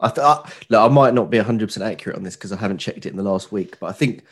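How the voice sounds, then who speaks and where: A young man co-hosting a casual podcast, nasal from a cold, relaxed and wry, often trailing off quietly. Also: on the low side, racing, slightly rough. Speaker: podcast co-host. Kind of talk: casual chat.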